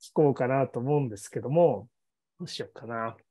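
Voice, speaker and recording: A man talks against a quiet background. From Sendai, Japan; Japan. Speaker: event moderator, nonprofit representative; event moderator. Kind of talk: online event moderation. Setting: online video event. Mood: friendly, smiling. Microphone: earbuds.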